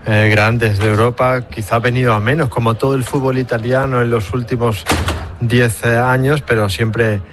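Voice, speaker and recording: A man analyses football at an unhurried pace, hesitating now and then as he picks his words. His voice sits in a middle register. A faint hiss of noise lies beneath him. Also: medium pitch, fairly even intonation. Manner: measured, frequent hesitations. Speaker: football pundit. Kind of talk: radio sports analysis.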